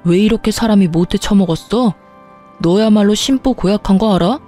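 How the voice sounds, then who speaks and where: A sulky husband who snaps back defensively in a mellow, dark tone, as a woman narrator acts him out. He is part of a narrated radio-style story with faint music underneath. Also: mid-range voice, a little fast, close to an everyday voice. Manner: defensive, irritated.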